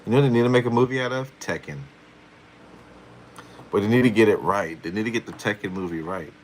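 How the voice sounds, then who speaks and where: A man's voice: fairly low pitch, fast talker, a little hiss or hum, rough recording. A man hosting a casual live stream as a tarot reader, playfully answering viewer questions with frequent chuckles.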